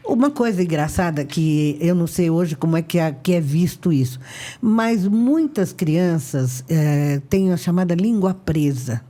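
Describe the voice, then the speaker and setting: A woman's voice: lowish voice, expressive, unhurried, dark tone. An older woman hosting an interview, asking long, winding, curious questions. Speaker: host. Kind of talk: casual interview chat.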